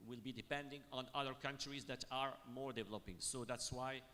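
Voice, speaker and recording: A man from Morocco speaking on a panel, halting and full of fillers and restarts. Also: medium pitch, steady tone, pushed and bright. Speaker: university panelist. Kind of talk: panel discussion remarks. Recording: long hall reverb.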